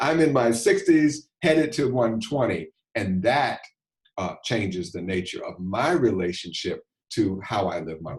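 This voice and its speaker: Somewhat breathy and at a medium pitch, a man talks at a fairly slow pace with very wide pitch swings. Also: big swings in loudness. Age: 60s. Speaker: physician. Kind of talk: interview. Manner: halting, many fillers.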